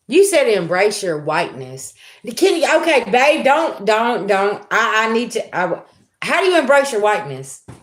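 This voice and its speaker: Animated and with an American accent, a woman speaks at a moderate pace and fairly high pitch, with vocal fry and very wide pitch swings. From US, urban neighborhood. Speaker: tarot reader, spiritual livestreamer. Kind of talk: livestream chat, reading comments.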